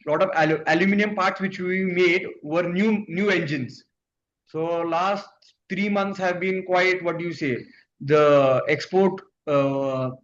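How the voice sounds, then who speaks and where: A man with an Indian accent, a company executive answering investors on an earnings conference call. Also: high voice. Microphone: conference call line. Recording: muffled conference call, background noise.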